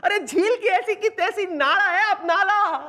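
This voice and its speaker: A melodramatic, scheming officer pleads and flatters far beyond reason. His voice rides high and theatrical, in sitcom style. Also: a little slow, full character voice. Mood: flattering. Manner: over-the-top pleading and flattery. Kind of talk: sitcom acting.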